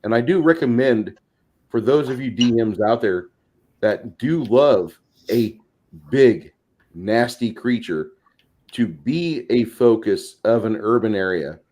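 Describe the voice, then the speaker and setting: A man's voice: on the low side, expressive, slow, mellow. A man casually explaining ideas as host of a tabletop gaming discussion, in a rambling, recommending way.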